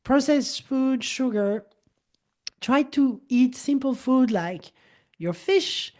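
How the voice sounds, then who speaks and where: A woman's voice: high voice, slow pace. A woman in her forties, a native French speaker, talking as a wellness coach host in a casual conversation and often acting out quoted dialogue. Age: 40s. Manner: animated, repeats words and restarts, acts out quoted dialogue.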